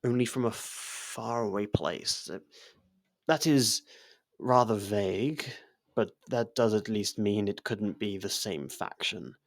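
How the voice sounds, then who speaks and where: In an intimate fantasy roleplay, a man plays a devoted royal servant, worried and disapproving, speaking formally and earnestly with careful deference. His voice is lowish and slow, with no echo.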